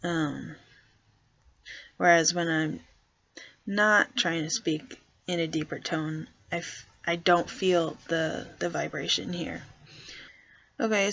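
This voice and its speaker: A young trans guy talks slowly and hesitantly in a casual vlog, with a gravelly, creaky edge. He deliberately pushes his voice lower as he speaks. The recording sounds dull and lo-fi. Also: dry recording. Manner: hesitant, soft-spoken, consciously pitching voice lower. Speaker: vlogger.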